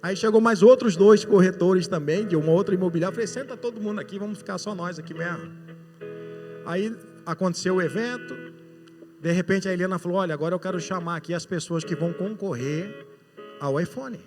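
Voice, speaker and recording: High-voiced Brazilian preacher in echoing church. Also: male voice, brisk. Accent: Brazilian Portuguese. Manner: storytelling, acting out dialogue, builds to shouts. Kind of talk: sermon testimony. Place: church hall. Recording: reverberant church hall with music.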